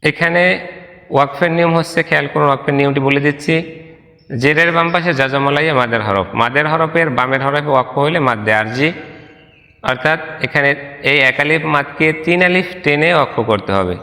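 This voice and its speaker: A man teaching Quran reading, spelling letters slowly and chanting verses. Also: fairly high pitch, pushed and bright, big-room sound. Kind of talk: step-by-step Quran recitation lesson.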